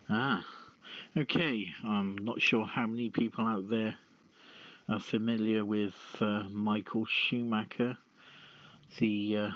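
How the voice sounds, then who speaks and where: A man hosting a news podcast, reading stories and adding casual asides in a halting delivery. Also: on the low side, no room sound. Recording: dull lo-fi audio.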